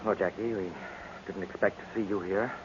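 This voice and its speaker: An actor playing a brisk, reassuring but uneasy young husband in an old-time radio drama. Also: male voice, low-pitched, steady tone, close to an everyday voice. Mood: awkward. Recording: muffled, noisy old radio recording.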